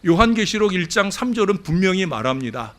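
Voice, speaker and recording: A male pastor delivering a Sunday sermon at a church service, speaking straight to his congregation. His voice sits a bit high, and its pitch leaps and falls in lively, emphatic swings. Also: a little fast. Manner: animated preaching, addresses the congregation directly.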